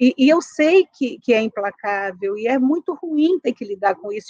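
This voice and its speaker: This woman talks at a moderate pace in a high pitch. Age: 50s. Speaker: judge and writer. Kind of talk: interview.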